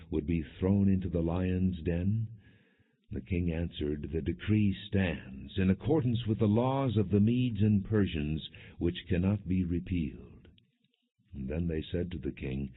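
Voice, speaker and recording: A man narrating scripture as an audiobook in a solemn, measured way with deliberate pauses. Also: low-pitched, slightly rough. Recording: muffled phone-like lo-fi audio.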